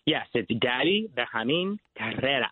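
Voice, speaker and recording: A man's voice: medium pitch, lively intonation, normal speed. A man running for city controller, calling in as a guest and talking in upbeat, slogan-like bursts. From New York City. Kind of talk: campaign talk on a radio show. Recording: tinny phone line.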